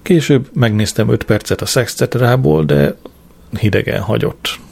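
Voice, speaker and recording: A man's voice: medium pitch, creaky, a little mellow. A man reading a diary-style audiobook in a dry, matter-of-fact way. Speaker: audiobook narrator. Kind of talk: scripted diary narration.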